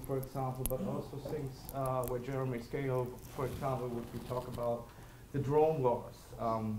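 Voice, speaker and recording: A man speaking English with a Spanish accent promotes an upcoming conference to a live audience, stopping often with "um" and searching for words. He is recorded from across an echoey hall, and background noise is clearly audible. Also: mid-range voice. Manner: halting, many "um" fillers, non-native phrasing. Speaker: co-director of a conference, guest speaker. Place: church hall before an audience.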